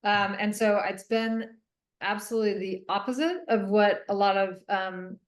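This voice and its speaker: A woman, a guest author, answering an interview question in an earnest, halting way with frequent ums. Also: medium pitch, reverberant.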